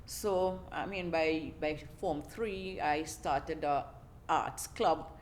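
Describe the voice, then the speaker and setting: A middle-aged Trinidadian woman with a notably low voice tells her story in a relaxed, chatty way. She laughs often and restarts her sentences as she talks. Faint background noise sits under the voice. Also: takes it slowly. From Trinidad and Tobago. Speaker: podcast guest. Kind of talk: casual interview storytelling.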